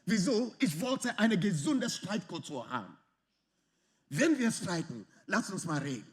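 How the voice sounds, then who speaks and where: Man preaching, pretty high voice, super animated, german not his first, throws in english bits. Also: measured pace. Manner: animated, lively, often acts out quoted arguments; non-native German grammar, mixes in English phrases. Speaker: pastor. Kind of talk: sermon.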